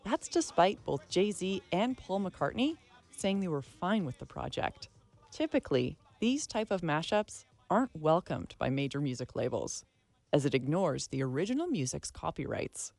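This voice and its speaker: A woman's voice: low-pitched, sing-song, normal speed, creaky, darkish tone, no room sound. A woman hosting a radio arts show, reading scripted narration.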